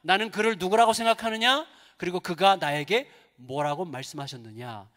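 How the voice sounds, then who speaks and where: A male pastor preaching a sermon in a church, telling a story with lively acted-out quotes and prayers. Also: sits high, moderate pace. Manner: animated storytelling, acts out quoted prayers and dialogue. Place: large church sanctuary. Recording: long hall reverb in church.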